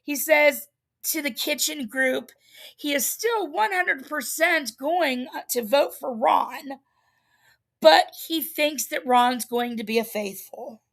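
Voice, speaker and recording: A woman's voice: high-pitched, slow, vocal fry, a bit bright. A woman hosting a livestream, casually recapping a reality show in a chatty, rambling way with lots of fillers. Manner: chatty, rambling, laughs at herself, many fillers.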